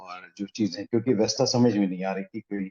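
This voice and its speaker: A man's dark, mellow tone at a moderate pace, dry and close with no echo, over a quiet background. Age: 60s. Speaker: spiritual devotee and pilgrimage organizer. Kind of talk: testimony. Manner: halting.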